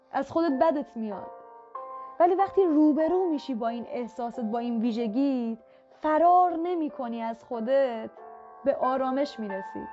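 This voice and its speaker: A woman's voice: high voice, a little mellow. A woman speaking directly to the listener as a self-help speaker, coaching in a repetitive, encouraging way. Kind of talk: motivational talk to the viewer. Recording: muffled lo-fi audio with faint background music.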